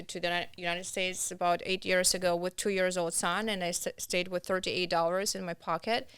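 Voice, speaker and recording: A woman in her thirties with a Russian accent, talking earnestly and haltingly as a podcast guest. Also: fairly low pitch, a bit bright, smooth, no room sound. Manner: earnest, halting, with restarts and non-native grammar. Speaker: podcast guest, nonprofit founder. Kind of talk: conversational interview.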